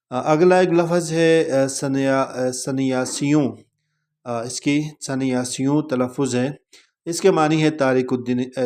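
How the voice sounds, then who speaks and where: A male teacher calmly explaining word meanings in a vocabulary lesson, pausing often with "uh". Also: medium pitch. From Pakistan. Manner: measured, deliberate delivery with frequent "uh" pauses.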